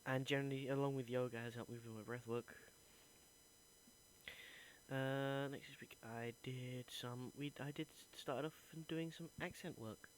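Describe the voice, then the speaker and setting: A young man talks through his week in an earnest, thinking-aloud way. His pitch is mid-range and barely moves. A faint hum sits under the recording. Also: steady tone, measured pace, poor audio. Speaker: acting student. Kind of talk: reflective voice diary.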